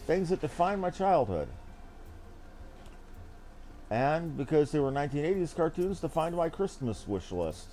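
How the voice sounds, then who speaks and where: A man's voice: fairly high pitch, sing-song, measured pace, long pauses, mellow, a little hiss or hum. A middle-aged man chatting casually and ramblingly as he streams a game.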